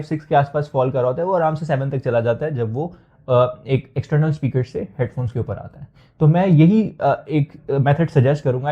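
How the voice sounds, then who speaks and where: A young man giving IELTS listening tips as an instructor in a casual lecture, explaining at length and slipping English phrases into his talk. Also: a little high. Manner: explanatory, mixes English phrases, frequent fillers. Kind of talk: casual Hindustani lecture with English code-switching. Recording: slightly dull lo-fi audio.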